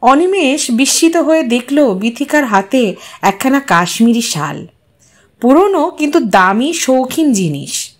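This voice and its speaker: A woman's voice: high-pitched, big pitch swings, measured pace. A woman storyteller giving a scripted, dramatic narration of a short story.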